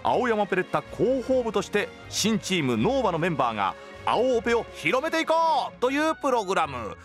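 A young man hosting a radio talk show from a studio mic, energetic and chatty. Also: high-pitched, brisk, soft background music. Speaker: radio host. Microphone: studio mic on boom arm.

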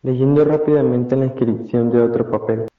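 A man's voice: mid-range voice, steady tone, moderate pace. A young man with an Argentine accent reading out stage directions as the narrator of a play. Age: teenager or young adult. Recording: dull, roomy amateur recording.

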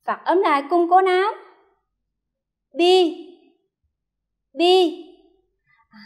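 A woman primary school teacher with a Hue accent, leading a first-grade reading lesson and carefully modeling each sound for children to repeat. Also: high-pitched. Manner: slow, careful modeling of sounds, drawn-out repetitions for children to echo.

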